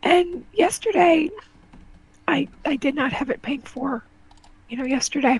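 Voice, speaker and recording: Over noticeable background noise, a woman speaks at a high pitch and a fairly slow pace, with long, frequent pauses. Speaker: podcast co-host. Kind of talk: casual banter podcast.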